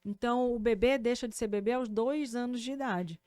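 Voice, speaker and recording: A woman with a Brazilian Portuguese accent, a speech therapist hosting a podcast, explaining in a didactic, animated way and often checking in with her listener. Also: fairly high pitch, fairly quick, no echo, clean studio sound.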